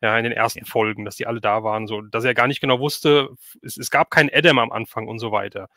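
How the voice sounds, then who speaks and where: A man's voice: medium pitch, fairly even intonation, fast talker, sharp tone, no echo, clean studio sound. A man hosting a casual livestream interview, asking rambling questions and often chiming in with agreement. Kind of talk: casual chat.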